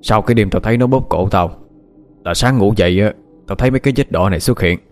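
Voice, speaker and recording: A man voicing a gruff, blunt gang boss in an audio ghost story. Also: on the low side, quick pace, a little mellow, soft background music, lightly acted. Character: tough male gang boss, haunted and gruff.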